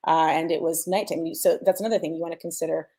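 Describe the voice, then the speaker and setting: A woman's voice: deep voice, fairly even intonation, fast, warm tone, husky. A woman giving an informal technical explanation as a sound designer, thinking aloud and checking in with the listener. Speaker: sound designer, panel speaker.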